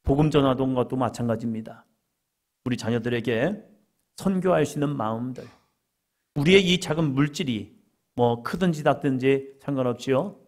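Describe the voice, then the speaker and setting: A man's voice: medium pitch, normal speed, darkish tone. A middle-aged man preaching a conversational sermon as a pastor, acting out quoted inner voices as he goes.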